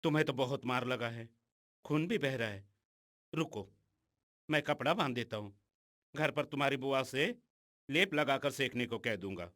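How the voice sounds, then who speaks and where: A man voicing a kindly, protective village uncle in an animated film, speaking in a soothing, caring way. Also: mid-range voice, moderate pace, pauses often, natural voice.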